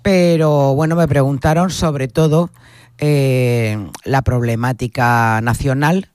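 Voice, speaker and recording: A woman's voice: a bass voice, steady tone, slow, darkish tone, no echo. A woman with an accent from Spain chatting casually and wryly as a contributor on a radio show. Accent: Spanish from Spain. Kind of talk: casual chat.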